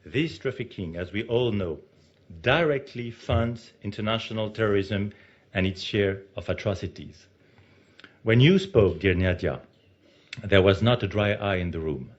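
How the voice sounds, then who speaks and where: French-accented man giving an emphatic speech. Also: lowish voice. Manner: emphatic, measured, with stressed pauses. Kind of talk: formal ceremonial speech. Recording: muffled lo-fi recording.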